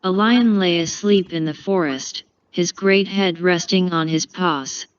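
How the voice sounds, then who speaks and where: A synthetic female text-to-speech voice reading a children's fable in an evenly measured way. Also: fairly low pitch, smooth, dry recording. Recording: dry, slightly dull computer playback.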